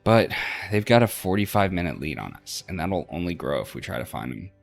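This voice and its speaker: Very low-voiced man reading game narration. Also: very animated, a little fast, creaky, faint music behind. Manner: stumbles over words and repeats lines. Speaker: let's play host reading a visual novel aloud.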